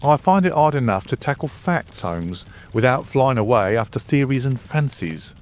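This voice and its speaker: Male narrator doing a practical testy inspector, voice pitched up, emphatic, storybook style. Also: expressive, moderate pace, a little hiss or hum, natural voice. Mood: testy, stubborn. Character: Lestrade, stubborn, practical male police inspector. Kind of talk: storybook character dialogue.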